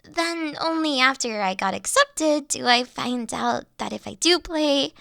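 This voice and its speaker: A woman's voice: sits high, lively intonation, unhurried, vocal fry, bright, forceful tone, no echo, studio quality, exaggerated voice. A woman playing a huge, friendly, nerdy young dragon college student in a roleplay audio drama, talking in a bubbly, awkward, hesitant way. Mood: self-conscious.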